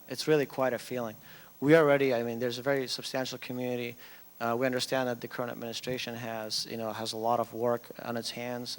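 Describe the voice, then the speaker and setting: A man giving an informal, unscripted public speech in a halting way, often repeating and rephrasing himself. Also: mid-range voice, clear, resonant tone. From United States (Massachusetts), Afghan-born family. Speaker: community group speaker. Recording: long hall reverberation.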